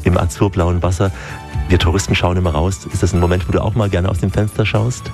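A man's voice: sits low, level tone, fast, a little mellow. A man hosting a radio travel show, presenting with upbeat enthusiasm. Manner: enthusiastic, lists farewells in many languages. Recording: music bed underneath.

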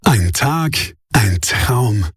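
A man's voice: mid-range voice, animated, extremely slow. A man reading a radio ad for a bakery in a sing-song way. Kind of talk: radio ad voice-over.

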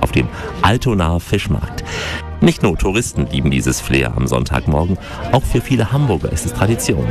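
Very deep, gravelly radio host. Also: male voice. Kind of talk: scripted radio presenting. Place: radio studio. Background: music.

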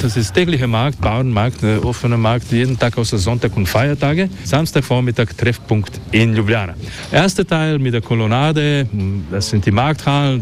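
A man with a Slovenian accent, a native Slovene speaker, giving a spontaneous guided tour in simple, halting non-native phrases. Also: medium pitch. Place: outdoor city market.

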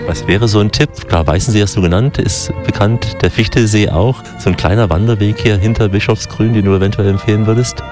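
A male radio travel reporter narrating a feature and asking calm, measured questions on a winter forest walk. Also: on the low side, music in the background.

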